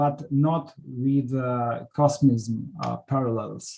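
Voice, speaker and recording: Against a quiet background, a man with a Russian accent talks at a very slow pace and a fairly high pitch. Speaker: invited lecturer. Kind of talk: Q&A after a lecture. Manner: halting, many fillers and repetitions.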